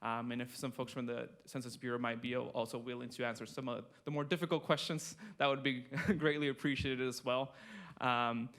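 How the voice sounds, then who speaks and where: A young man from Mexico gives a conference talk about his census work. He speaks in a flat, level tone, with frequent ums and restarts. His humour is light and self-deprecating. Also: medium pitch, a little fast. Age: 20s. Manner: conversational, many fillers and restarts, self-deprecating. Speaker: state census project manager presenting. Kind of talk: conference presentation. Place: conference room.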